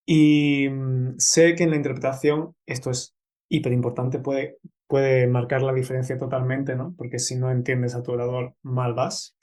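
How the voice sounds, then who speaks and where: A man's voice: mid-range voice, little pitch movement, moderate pace, darkish tone. A man with an Andalusian Spanish accent hosting a podcast interview, chatty and asking long questions. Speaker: podcast host.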